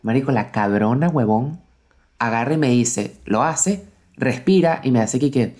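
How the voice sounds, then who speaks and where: A young man, telling a story in a casual chat, expressive and quick. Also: mid-range voice.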